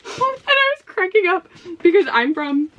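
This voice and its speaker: A woman's voice: very high voice, big pitch swings, moderate pace, a bit bright, muffled recording. Chatty Midwestern woman rambling to camera. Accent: Midwestern American. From Ohio, USA. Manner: chatty, rambling, giggly, lots of "like" and "um". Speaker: book vlogger. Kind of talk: casual chat to camera.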